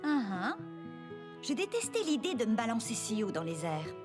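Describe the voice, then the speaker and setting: Daycare teacher for preschool cartoon: high, lively, kind, encouraging, over background music. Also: female voice, normal speed. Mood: reassuring. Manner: reassuring, clear, addressing small children. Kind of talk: children's cartoon voice acting.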